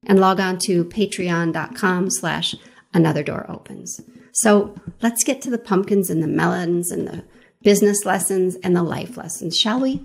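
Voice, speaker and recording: A woman hosting an interview podcast, reading a bright scripted intro and then chatting with enthusiasm. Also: fairly low pitch, creaky, slightly rough. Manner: upbeat, warmly enthusiastic. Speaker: podcast host.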